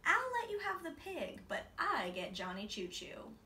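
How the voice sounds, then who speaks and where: A dramatic, pleading little boy from a picture book, put on by a woman. The voice sits high and bright, with a protesting, bargaining manner. It sounds roomy. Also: sing-song, moderate pace, recorded from a distance, full character voice. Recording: roomy, off-mic, faint noise.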